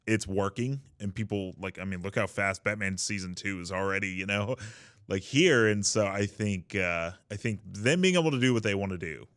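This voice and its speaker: A man with a lowish voice chats on a podcast panel. His delivery is informal and joking, with loosely strung sentences. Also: moderate pace, fairly bright tone. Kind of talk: casual joking panel chat.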